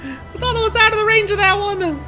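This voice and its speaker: A man streaming a video game with expressive delivery, commenting casually and reading game text aloud. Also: brisk, soft background music. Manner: expressive, jumps into high-pitched exclamations.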